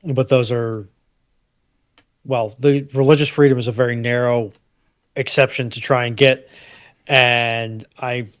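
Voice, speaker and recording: Guy on a panel, average pitch, careful explainer, stops to qualify stuff. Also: little pitch movement. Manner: measured, careful, pausing to qualify statements. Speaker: panelist on a live history discussion. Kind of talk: conversational explanation.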